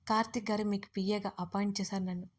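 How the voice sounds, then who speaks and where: A woman's voice: medium pitch, little pitch movement, fast talker, a little mellow, natural voice. A woman narrator voicing a polite young female office assistant introducing herself in an audio story. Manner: formal, polite.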